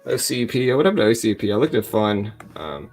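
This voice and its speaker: A middle-aged man with a raspy morning voice, chatting casually as a livestream host in a joking, self-deprecating, rambling way. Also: very animated, normal speed, a little mellow, soft background music. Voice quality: deep morning voice. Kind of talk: casual live trading commentary to chat.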